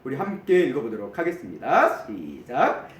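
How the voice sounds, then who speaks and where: A man preaching a sermon as pastor, animated, acting out the quoted complaints. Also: medium pitch, moderate pace, echoey room, a crowd in the background. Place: church sanctuary.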